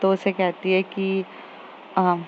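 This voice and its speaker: A woman's voice: medium pitch, steady tone, unhurried. A woman casually retelling a romance story, narrating the dialogue in a loose, chatty way with many fillers. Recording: slightly dull lo-fi audio with faint background noise.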